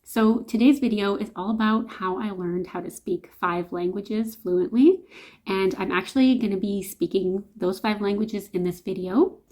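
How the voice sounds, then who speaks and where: A woman's voice: mid-range voice, moderate pace, warm tone. A woman with a Canadian accent talking to camera in a casual, chatty, informal vlog style. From Canada, immigrated from Slovakia at five. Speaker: vlogger, host.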